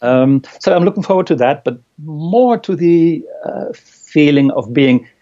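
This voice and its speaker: A man's voice: a little high, lively intonation, unhurried, warm tone. Thoughtful man, muffled recording. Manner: hesitant, thoughtful, searching for words. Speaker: interviewee, language learner. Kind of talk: conversational interview.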